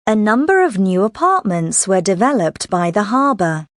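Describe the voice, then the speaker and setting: A woman reading scripted answers and sentences for a listening exercise, in a clear, careful way. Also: medium pitch, big pitch swings, normal speed, dry recording, clean studio sound.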